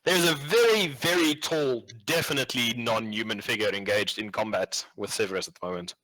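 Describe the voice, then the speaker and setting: A man's voice: mid-range voice, fairly quick, pushed and bright, rough recording. A man acting as game master, improvising tabletop game narration in a casual, sweary, slangy way.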